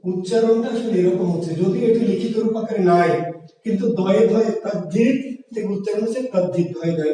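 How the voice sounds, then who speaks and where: Guy teaching a grammar class, high mellow voice, asks then answers himself, echoey room far from mic. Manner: explains patiently, asks and answers his own questions. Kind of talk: online exam-prep grammar lecture.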